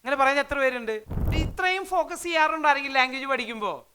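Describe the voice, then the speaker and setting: A woman from Kerala, teaching spoken in an energetic, emphatic way, firing off rhetorical questions and mixing into her talk. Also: high voice, fast. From Kerala, India. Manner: energetic, emphatic, fires rhetorical questions, mixes English into Malayalam. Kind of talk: motivational language lesson.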